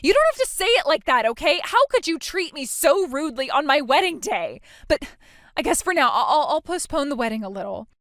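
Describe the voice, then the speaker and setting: A woman acting out a self-centered bride in a drama, whining and stammering with a high voice that swings up and down a lot. The recording is close and dry. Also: big pitch swings, a little fast, a bit bright, dry recording, full character voice. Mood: whiny, demanding. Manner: whiny, self-pitying, stammering. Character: self-absorbed young bride, demanding and whiny.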